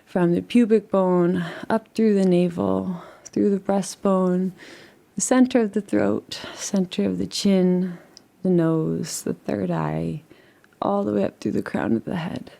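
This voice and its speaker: A woman leading a guided relaxation meditation in a soothing, unhurried, gently instructive way. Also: fairly low pitch, steady tone, creaky.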